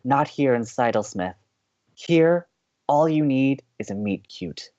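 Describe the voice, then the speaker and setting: A man acts out an upbeat young college radio co-host in a podcast drama, a believer in romance. The delivery swings freely in pitch, earnest and playfully teasing. The audio is slightly dull. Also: expressive, takes it slowly, dark tone. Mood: teasing, romantic. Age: young adult. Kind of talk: scripted audio drama banter.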